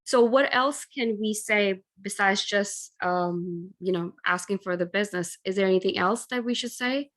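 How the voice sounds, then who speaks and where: A woman's voice: medium pitch, normal speed, few pauses, a bit bright. A woman taking part in a training call who asks a question in a hesitant way. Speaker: training participant.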